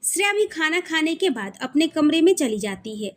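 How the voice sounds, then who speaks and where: A woman reads a scripted love story with melodic, expressive narration. Her voice sits high and moves a great deal in pitch. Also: moderate pace.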